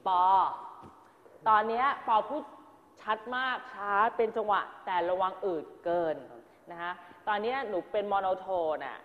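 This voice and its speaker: A woman's voice: mid-range voice, measured pace. A woman coaching a drama class, giving direct, corrective notes to her students one after another. Her voice rings out in a large hall with a long tail of reverb. The sound is somewhat dull and muffled. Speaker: acting teacher.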